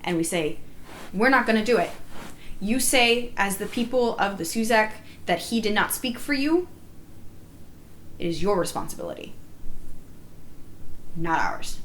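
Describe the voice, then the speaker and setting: A woman's voice: medium pitch, lively intonation, measured pace, pauses often, a bit bright. Emphatic woman storyteller, noisy background. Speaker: player recounting a live-action roleplay game. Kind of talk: animated storytelling in a group discussion. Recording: noticeable background noise.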